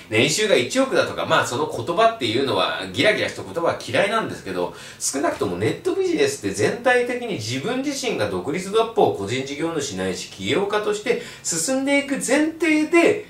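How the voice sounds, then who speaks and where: A man giving a blunt, animated video lecture as an online resale instructor. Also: fairly high pitch, far from the mic, a little hiss or hum. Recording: roomy echo, mic set back.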